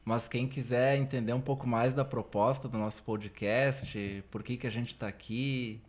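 A man's voice: medium pitch, fairly even intonation, moderate pace. A man, co-hosting a podcast and introducing a guest in a friendly, rambling way. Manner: friendly, rambling, lots of fillers. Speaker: podcast co-host. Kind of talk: casual podcast chat.

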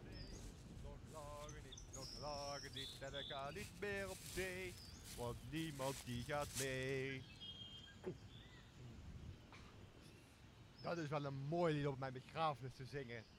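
A man's voice: mid-range voice, measured pace, noisy background, natural voice. A young man playing a boozy, blustering, greedy castaway in a Shakespeare radio play, with a coarse and bossy manner. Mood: tipsy, self-pitying. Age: young adult. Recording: clear outdoor nature sound behind voice.

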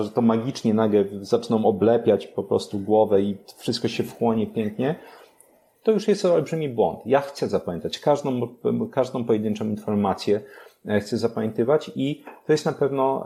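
A young man, a podcast guest, explaining learning methods step by step, pausing on fillers and restarting his phrases. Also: lowish voice, warm tone.

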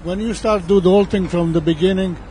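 Older man, broken english, higher-pitched voice, street noise. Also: fairly even intonation, fast, dark tone. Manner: broken English, emphatic explaining. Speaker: guest, home winemaker. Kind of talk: casual chat. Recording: noisy outdoor recording.

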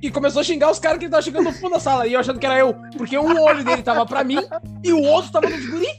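A man's voice: extremely high pitch, very fast, soft background music. Slangy man telling stories. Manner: animated, slangy, full of fillers. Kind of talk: casual storytelling chat.

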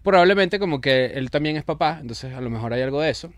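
Fast-talking joking Venezuelan man. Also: on the high side, lively intonation, no echo. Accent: Venezuelan Spanish. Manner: quick, joking, storytelling. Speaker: comedian co-host. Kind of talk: casual podcast banter.

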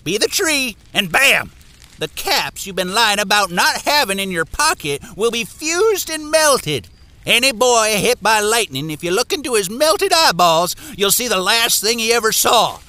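A man's voice: high voice, sing-song, measured pace, pushed and bright, exaggerated voice. An actor playing an eerie, folksy man who foretells storms in a menacing, dramatic manner for an audio drama. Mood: foreboding, gleeful.

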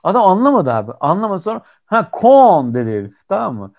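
A man's voice: sits high, rapid-fire, gravelly. Chatty man telling a travel story. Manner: animated storyteller, frequent agreeing "evet". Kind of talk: casual chat.

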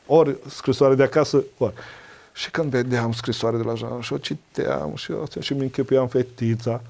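A man's voice: medium pitch, fairly even intonation, gravelly, darkish tone. A middle-aged man, a podcast guest, sharing a personal testimony in casual talk, earnest and emotional, acting out old conversations. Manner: earnest, emotional storyteller, acts out dialogue.

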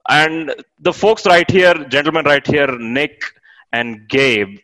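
A man's voice: medium pitch, fairly bright tone, in a large hall, rough recording. Enthusiastic podcast host man. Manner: enthusiastic, fanboying interviewer. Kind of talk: casual chat.

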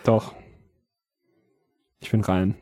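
A man improvising a comedy scene with a partner, talking in a sheepish, hushed, mumbling way. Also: very slow, no room sound, clean studio sound. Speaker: improv performer.

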